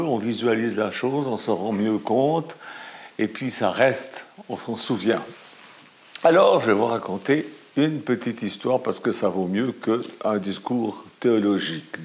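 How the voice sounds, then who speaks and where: A middle-aged Swiss French pastor preaching a sermon with animated, emphatic storytelling. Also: male voice, fairly low pitch. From Valais, Switzerland.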